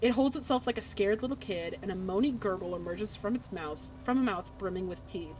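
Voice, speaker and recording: A young woman reading a dark visual novel aloud in dramatic first person, breaking off for giggly asides. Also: medium pitch, fairly quick, low-quality recording. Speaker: streamer playing a game.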